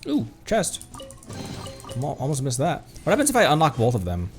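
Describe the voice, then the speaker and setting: A man's voice: medium pitch, wildly swooping pitch, brisk. A man doing casual gameplay commentary as a streamer, chatty and thinking aloud. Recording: game music behind voice. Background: video game music.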